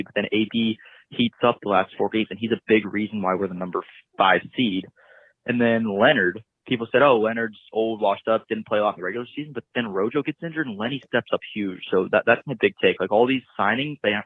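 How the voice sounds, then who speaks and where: A man leaving a voicemail as a fan, talking through his take in an earnest, steady rant. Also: on the low side, slightly rough, dry recording. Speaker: voicemail caller. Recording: tinny phone line voicemail.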